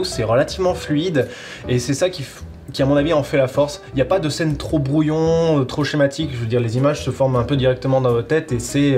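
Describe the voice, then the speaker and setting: Male presenter, medium pitch, informal and keen review talk over a music bed. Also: darkish tone. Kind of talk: casual review of an audio series.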